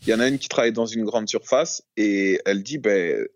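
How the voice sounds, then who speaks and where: A man in casual chat, telling a story in a halting, slangy way with many fillers. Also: lowish voice, no room sound, studio quality.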